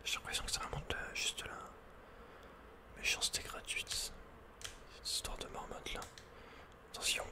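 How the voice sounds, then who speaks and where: A man whispering playful, casual ASMR commentary over a video game in a breathy, unvoiced voice, close to the microphone. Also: normal speed, pauses often, pushed and bright.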